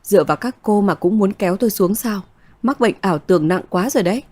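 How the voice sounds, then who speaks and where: A woman's voice: medium pitch, lively intonation, fast, a little mellow, lightly acted. A woman voicing a scheming, ruthless young woman who speaks in curt commands, in a read-aloud story. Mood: scornful.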